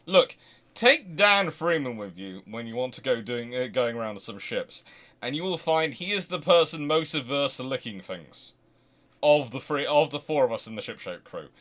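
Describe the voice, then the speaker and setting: At a moderate pace, with lively intonation and a fairly bright mid-range tone, a man fields viewer questions during an informal live naval history Q&A. His explanations are chatty and meandering, peppered with rhetorical questions.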